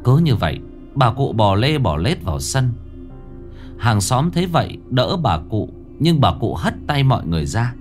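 A man narrating a ghost story in a dramatic, expressive storytelling manner. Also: mid-range voice, normal speed, faint music behind.

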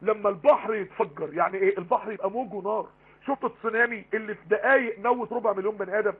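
A man with an Egyptian Arabic accent giving a live online Quran lesson, talking rapidly and emphatically with many rhetorical questions. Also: high-pitched, fairly even intonation, slightly rough. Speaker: Quran teacher. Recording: tinny phone-line broadcast.

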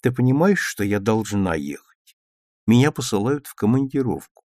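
A man voicing a quiet, reassuring mother in a storybook reading. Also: lowish voice, lively intonation, moderate pace, no room sound, clean studio sound, natural voice. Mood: gentle. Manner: soft, reassuring. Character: gentle quiet young mother.

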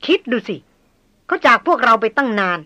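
A hot-tempered young noblewoman in a storybook voiced by a woman narrator presses with pointed questions and indignant complaints. Her voice rings bright and sharp. She is quick to anger and easily worried. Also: on the high side, expressive. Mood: heartfelt.

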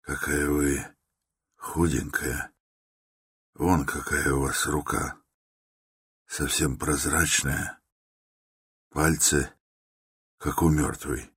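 A man voicing a brooding young man who speaks quietly, abruptly and gloomily. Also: extremely low pitch, fairly even intonation, measured pace, gravelly, breathy edge, no echo, studio quality, heavily acted.

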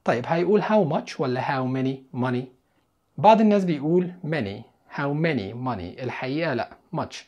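A man with an Egyptian Arabic accent teaching an English grammar lesson, asking the listener questions and answering them himself, and repeating English examples slowly. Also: medium pitch, lively intonation, darkish tone, lo-fi sound. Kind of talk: explanatory lesson.

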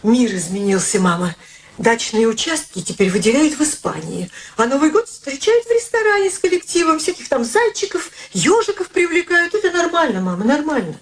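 Curt, exasperated woman, highish voice. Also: very animated, fairly quick, slight background noise. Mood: evasive, sarcastic. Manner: curt, dry, sarcastic. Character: exasperated grown daughter, curt, dry and sarcastic. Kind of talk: radio play acting.

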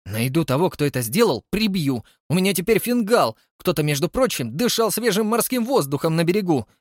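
A man's voice: high voice, big pitch swings, brisk, no room sound, clean studio sound, pitched above the performer's own voice. A man doing a furious, combative village woman. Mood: angry. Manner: threatening, indignant.

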